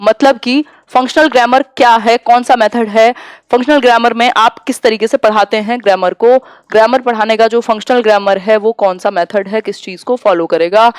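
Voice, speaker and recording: A young woman lectures students through an exam-prep lesson. Her voice sits fairly high and sounds dry and close to the mic, with no room around it. She reads each question slowly, then explains it with English terms mixed in. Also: fairly even intonation, smooth, no room sound. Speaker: teacher.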